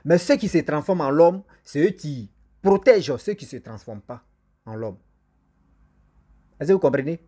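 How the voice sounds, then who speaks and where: A man, whose first language is a local African language, telling a village legend to his viewers in a lively, repetitive style with frequent asides to them. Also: on the high side, normal speed, pauses often, slightly rough. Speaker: storyteller and channel host. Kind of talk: casual oral storytelling to viewers.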